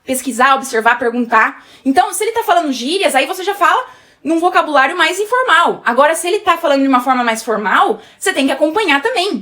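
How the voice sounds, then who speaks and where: A sales trainer with a Brazilian Portuguese accent and a high-pitched, fairly bright voice gives a casual sales lesson. She is chatty, full of fillers, and often speaks directly to the viewers in this relaxed teaching talk.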